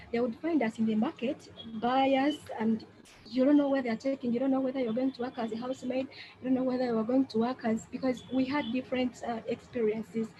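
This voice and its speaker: A high-pitched woman with fairly even intonation, set against noticeable background noise. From Uganda. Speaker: undercover journalist. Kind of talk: panel discussion.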